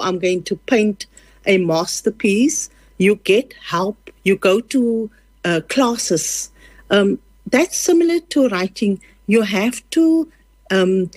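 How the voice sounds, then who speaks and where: A woman's voice: a little high, a little mellow, no echo. A woman whose first language is Afrikaans, speaking with a South African Afrikaans accent, talking earnestly as a writer in an interview, with many fillers and restarts. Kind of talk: casual conversational interview.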